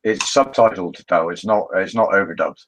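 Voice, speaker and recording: A man's voice: low-pitched, animated, normal speed, a little hiss or hum, rough recording. A man chatting casually as a co-host on a livestream. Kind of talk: casual chat.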